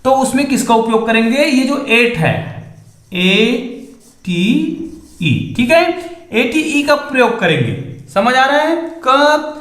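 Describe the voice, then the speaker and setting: A man's voice: extremely high pitch, fairly bright tone, echoey room. A man teaching a chemistry lesson who keeps asking his students questions and answering them himself. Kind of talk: classroom lecture.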